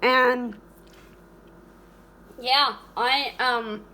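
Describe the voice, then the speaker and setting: A woman's voice: fairly high pitch, steady tone, extremely slow, pushed and bright. A woman hosting a home cooking vlog, chatting casually with many fillers and restarts. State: hiccuping. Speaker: cooking channel host.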